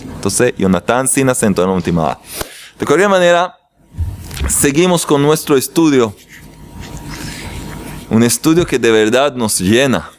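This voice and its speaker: A man teaching a religious lesson, mixing jokes into an animated talk and lifting his voice when acting out prayers. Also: slight background noise. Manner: animated, swoops in pitch when quoting prayers. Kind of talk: lively faith lesson with jokes.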